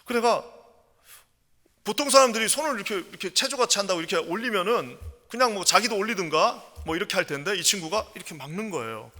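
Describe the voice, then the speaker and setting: High, bright-voiced impassioned male pastor. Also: animated, fast, big-room sound. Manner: impassioned, swings from hushed storytelling to loud proclamation. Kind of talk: sermon. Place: church sanctuary.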